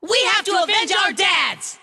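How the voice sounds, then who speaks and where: A woman playing an earnest, excitable teenage boy hero in an English anime dub. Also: very high-pitched, normal speed, gravelly, shouting, slight background noise, exaggerated voice. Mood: fired up.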